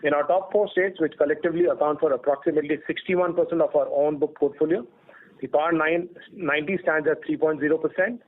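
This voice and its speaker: A man with an Indian accent reads prepared company results in a formal, measured way as an executive presenting on a conference call. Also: on the high side, fairly even intonation. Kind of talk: scripted corporate presentation read aloud. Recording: phone-like narrowband conference call line.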